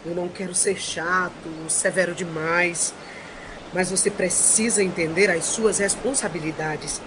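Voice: mid-range voice, steady tone, unhurried, background noise, lightly acted. An actor with a Brazilian accent playing an earnest, nagging heroic father in an audio drama. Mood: admonishing. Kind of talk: comic audio drama acting.

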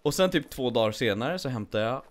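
A man in his forties chatting casually while gaming, telling stories and acting out the voices of people he quotes. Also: medium pitch. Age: 40s. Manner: animated storyteller who acts out quoted voices. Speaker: streamer playing a hunting game.

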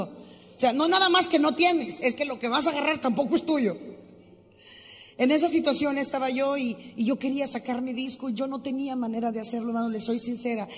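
A woman giving a lively preaching testimony as a Christian singer at a live church event, moving between soft and loud. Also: high-pitched. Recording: live hall with long reverb.

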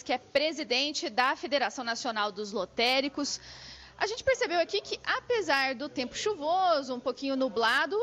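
Middle-aged woman reporter, high voice, chatty live hit from a shop, dull broadcast audio. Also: a bit bright. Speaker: field reporter. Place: lottery shop indoors. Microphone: handheld mic. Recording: muffled broadcast field audio.

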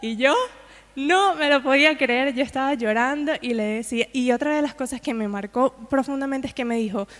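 A woman's voice: sits high, fairly quick. A woman preaching, telling a personal testimony to a congregation in a conversational way with frequent asides. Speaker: guest preacher. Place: church hall. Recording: long hall reverb.

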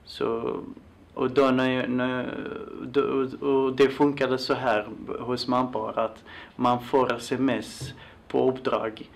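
Man, 20s, foreign accent, monotone, medium-pitched, hesitant interview answers. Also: slow, creaky. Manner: hesitant, restarting. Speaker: interviewee, young migrant.

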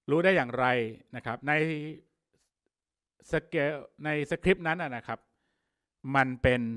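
A middle-aged man walks an audience through a technical demo. His pitch sits at an ordinary middle height, and he talks loosely, with fillers and frequent polite particles. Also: fairly bright tone. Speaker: workshop speaker. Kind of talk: technical workshop presentation.

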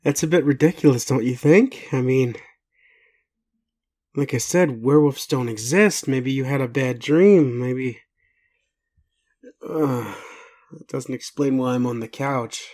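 In an intimate audio roleplay, a man voices a groggy, gentle werewolf who doubts himself, speaking tenderly and haltingly to the listener like a doting caregiver. His medium-pitched voice is lightly acted, and he sounds tired and uncertain.

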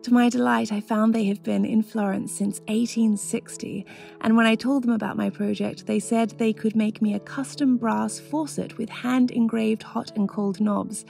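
A woman's voice: a little high, fairly even intonation, moderate pace, gravelly, dark tone, soft background music. A woman in her thirties, a lifestyle vlogger from Australia, narrating her home kitchen renovation in a chatty, enthusiastic way and laughing often. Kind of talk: voice-over narration and casual vlog talk.

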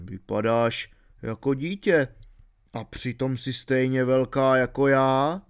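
A man voicing a suspicious middle-aged shepherd in an audiobook, asking slow, doubtful questions. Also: medium pitch, fairly even intonation, clean tone, natural voice. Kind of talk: audiobook reading.

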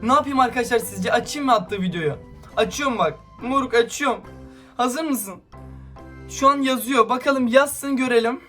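A man's voice: very high-pitched, normal speed, bright, forceful tone, faint music behind. A man giving gameplay commentary to his viewers, irritated and ranting, hurling insults at another player. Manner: talks straight to viewers. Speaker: gaming YouTuber.

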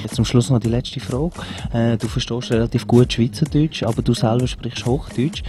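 A man, interviewing a guest in a relaxed way. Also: mid-range voice, moderate pace, crowd noise. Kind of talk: interview questions.

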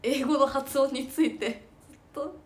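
A woman's voice: high voice, moderate pace. A young woman chatting casually in a self-deprecating way, laughing often as she talks. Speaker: idol and stage actress. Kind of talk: casual chat.

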